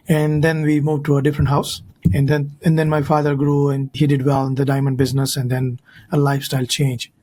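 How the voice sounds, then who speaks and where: Man in his thirties, slightly high voice. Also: a little mellow. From India. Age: 30s. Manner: earnest, storytelling, often ends with "right?". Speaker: guest, financial advisor. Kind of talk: casual interview talk.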